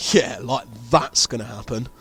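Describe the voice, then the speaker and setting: A man's voice: medium pitch, measured pace, fairly bright tone, husky, heavily acted. A man playing a chummy, wry trained observer in an amateur audio drama, talking in a slangy, friendly way. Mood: amused, agreeable.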